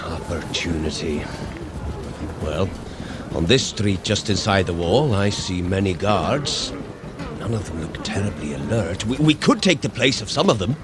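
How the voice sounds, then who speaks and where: Brief: a hearty warrior god for an audio adventure, low-voiced and animated, blunt, impatient yet good-natured, theatrical. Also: male voice, measured pace, very noisy. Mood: musing. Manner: theatrical, blunt, formal old-fashioned phrasing. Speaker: fitness workout guide character. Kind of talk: scripted audio adventure acting.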